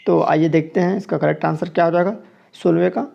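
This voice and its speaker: Speaking quickly with fairly even intonation, a man from Chhattisgarh, India, works through a grammar exam's multiple-choice questions, laying out each answer step by step and saying it twice. His voice is deep-gravelled and dark but a touch high, and the audio has its highs cut off.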